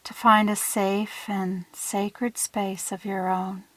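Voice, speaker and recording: Slow, hushed woman guiding a meditation. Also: mid-range voice, little pitch movement, no room sound, low-quality recording. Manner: soothing, hushed, deliberate phrasing with breathy trailing ends. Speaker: guided meditation leader. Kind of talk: guided visualization meditation.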